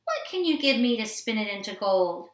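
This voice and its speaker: Woman as tiny magical storybook man, theatrical and sly, very lively intonation, echoey room. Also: a little high, moderate pace. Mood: bargaining. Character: funny little magical man, slyly bargaining. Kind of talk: storybook read-aloud character voice. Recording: roomy indoor echo.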